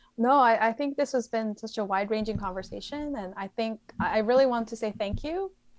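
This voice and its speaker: With a Canadian accent, a woman talks with ordinary pitch variation. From UK and Canada (born in Seoul, left at 7). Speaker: literary translator. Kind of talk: interview conversation. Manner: hesitant, many fillers.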